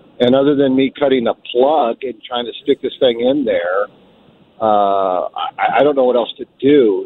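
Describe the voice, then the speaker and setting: A man talks at a moderate pace in an ordinary speaking voice. His pitch is medium, with ordinary pitch variation. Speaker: caller. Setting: phone call.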